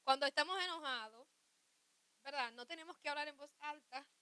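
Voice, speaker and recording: A woman's voice: high voice, brisk, pushed and bright, no room sound. A woman co-hosting a Christian radio talk show, chatting reflectively about scripture and laughing often.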